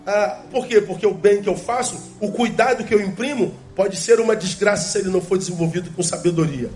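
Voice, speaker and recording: His voice notably high and a little mellow, a male pastor preaches, pressing points through rhetorical questions and slow repetition of key phrases. Low, faint music sits behind him.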